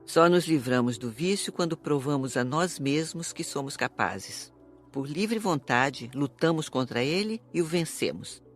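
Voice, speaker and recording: A woman playing a calm, serious spirit teacher in an audiobook, speaking in a measured, didactic way. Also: low voice, faint music behind. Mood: reassuring. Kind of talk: audiobook dialogue.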